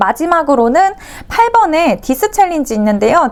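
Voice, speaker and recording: A woman's voice with very wide pitch swings. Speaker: horse racing tipster. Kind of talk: race preview commentary. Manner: fast.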